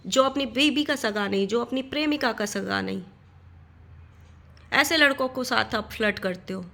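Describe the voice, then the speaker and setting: A woman's voice: on the high side, moderate pace, gravelly, bright, forceful tone. A middle-aged woman ranting in a vlog at another creator, indignant, firing rhetorical questions and repeating phrases for emphasis. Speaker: vlogger.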